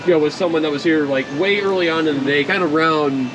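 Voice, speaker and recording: A man's voice: on the high side, fast talker. A man hosting a casual theme park vlog, chatting to the camera. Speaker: vlog host. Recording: roomy sound with clear ambient noise.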